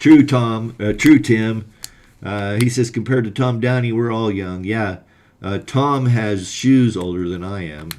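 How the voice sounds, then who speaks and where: Delivered at a fairly slow pace, a plain, everyday voice moves with ordinary pitch variation and big swings in loudness. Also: man, medium pitch for a man. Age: 60s. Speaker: RV YouTuber answering viewer questions. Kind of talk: live stream Q&A. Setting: live stream. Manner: casual, many fillers.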